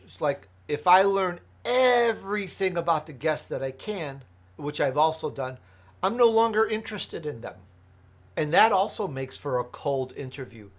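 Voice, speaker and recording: A man from Chicago, a podcast host answering interview questions in an earnest, emphatic way, building his points through lists. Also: on the high side. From Chicago, United States.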